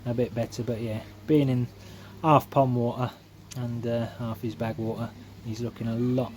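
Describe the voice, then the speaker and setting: A man's voice: medium pitch, level tone, normal speed, a little mellow, a little hiss or hum. A man vlogging casually in his back garden by a pond, chatty and homely, with plenty of fillers. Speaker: koi keeper vlogger. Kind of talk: casual vlog narration. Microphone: camera mic, moving between handheld and tripod.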